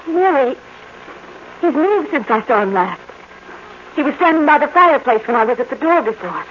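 A woman's voice: high voice, very animated, moderate pace. An actress playing a solicitous, uneasy neighbor woman in a 1950s radio drama. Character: friendly, uneasy neighbor woman visiting a troubled friend. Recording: muffled, noisy old radio recording.

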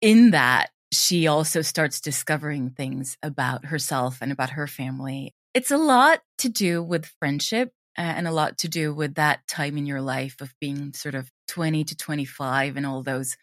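Female interview guest, low-pitched, enthusiastic and conversational, dry recording. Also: moderate pace, hardly any pauses, no room sound. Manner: chatty, enthusiastic. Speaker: interview guest, drama teacher and audio drama creator. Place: at home, remote interview.

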